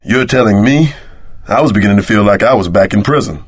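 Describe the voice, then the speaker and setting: An actor playing a streetwise, wisecracking tough sidekick in a video game, wry and wary, with slangy delivery. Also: male voice, lowish voice, fairly quick, dry recording, clean studio sound, lightly acted. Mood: wry, strained.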